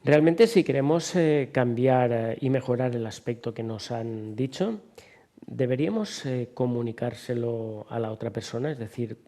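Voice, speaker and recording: Male TV host, mellow dark voice, measured hesitant questions. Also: medium pitch. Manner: asks long framed questions with hesitations. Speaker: TV interviewer host. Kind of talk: TV interview questions.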